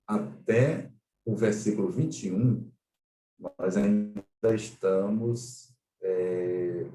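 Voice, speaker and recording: Low, mellow Brazilian man teaching, roomy sound. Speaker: catechist leading a Bible study. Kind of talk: explanatory Bible lesson with scripture read aloud. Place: online video-call class. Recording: roomy echo, distant microphone.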